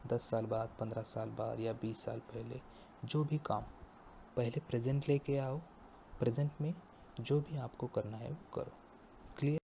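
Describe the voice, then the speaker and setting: A male teacher slowly explaining a maths lesson step by step, often stopping to ask the class if it is clear. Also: medium pitch, fairly even intonation, mellow, slight background noise. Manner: slow, explains step by step and checks understanding. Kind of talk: math lecture.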